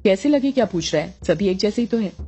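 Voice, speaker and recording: A woman's voice: mid-range voice, animated, quick pace, warm tone, slightly rough. A woman voicing a young village man who firmly lectures his friend. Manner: explaining, firm.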